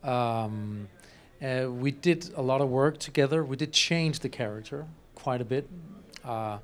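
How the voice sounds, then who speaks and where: A man's voice: medium pitch, unhurried. A man, a film director, explaining his work earnestly in slightly phrasing with light laughs. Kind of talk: panel interview.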